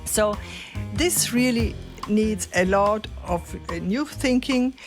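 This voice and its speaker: A woman's voice: medium pitch, over music. Thoughtful woman from Austria with roots. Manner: measured, thoughtful, with fillers and light laughs. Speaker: guest, chemist and sustainability expert. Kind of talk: podcast interview.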